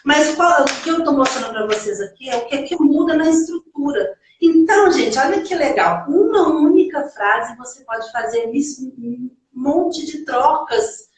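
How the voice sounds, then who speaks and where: A Brazilian woman teaching English in a casual live lesson, slowly repeating example phrases and coaxing learners along. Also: high-pitched, expressive, very echoey, recorded from a distance, rough recording.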